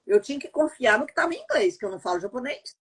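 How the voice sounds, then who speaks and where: Rapid-fire and sing-song, this husky, fairly high, slightly bright voice belongs to a middle-aged woman from Goiás, a voice actress and translator. Guesting on a podcast via remote call, she speaks neutral Brazilian Portuguese, chats casually, laughs easily and says "né?" a lot.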